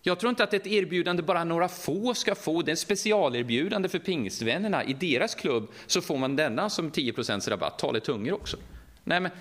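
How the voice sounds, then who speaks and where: A middle-aged Swedish man with a Västergötland accent, preaching a lively, conversational sermon and often asking the audience questions. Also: on the high side. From Sweden, Västergötland.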